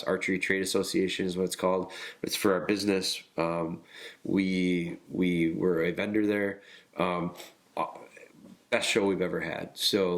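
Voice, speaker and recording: A man hosting a podcast with a nasal, congested voice, talking casually and haltingly with frequent pauses and restarts. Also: deep voice. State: congested from illness. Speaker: podcast host.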